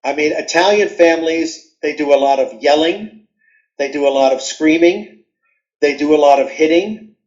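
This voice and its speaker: New york guy telling stories in an interview, higher voice, acts stuff out, kinda dull lo-fi sound. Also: moderate pace. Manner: animated storyteller, acts out scenes. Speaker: guest. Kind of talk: storytelling interview answers.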